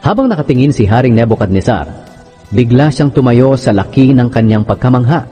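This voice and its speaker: A man narrating scripture in a measured, solemn, scripted style, with music underneath. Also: medium pitch, animated, mellow. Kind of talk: scripted dramatized Bible narration.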